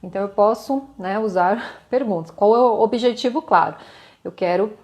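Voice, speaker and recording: This communication teacher speaks at a normal speed in a mid-range voice with a darkish tone, her accent Brazilian Portuguese. During the live lesson she explains things casually, drops in little questions and light laughter, and replies to viewers.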